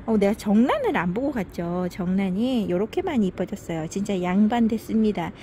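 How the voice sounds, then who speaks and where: Filming the plants on her home veranda, a succulent gardening vlogger offers casual, chatty narration, fond of every plant and given to little sighs. Her voice is medium in pitch, animated and a little fast, with a mellow quality and a bit of hiss or hum in the background.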